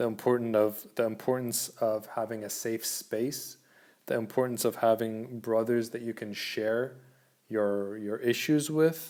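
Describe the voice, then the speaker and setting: A man speaks quietly in a calm tone at medium pitch. His pace is very slow. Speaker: dating coach. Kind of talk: livestream talk. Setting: home livestream at night.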